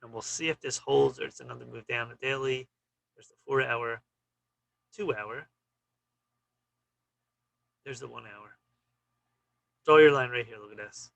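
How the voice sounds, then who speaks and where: A man's voice: medium pitch, fairly even intonation, measured pace, vocal fry, pauses often, fairly bright tone, no room sound, poor audio. A man hosting a stock trading channel, walking through charts in casual, clipped phrases and often saying "you know".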